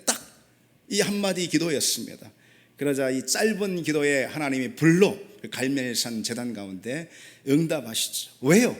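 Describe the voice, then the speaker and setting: A man's voice: mid-range voice, lively intonation, moderate pace. A man preaching an emphatic sermon, asking rhetorical questions and dropping short affirming asides. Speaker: pastor.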